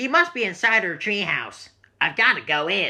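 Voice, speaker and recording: A female-sounding voice does a put-on character voice, raised and projected, at a moderate pace. Its pitch sits fairly high and swings very widely. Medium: read story. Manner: eager, earnest.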